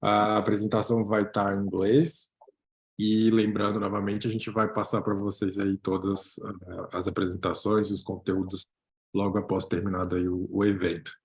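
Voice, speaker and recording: A man hosting a webinar, polite and formal. His voice is low and fairly flat in pitch. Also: moderate pace. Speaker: webinar moderator. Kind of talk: moderating a webinar.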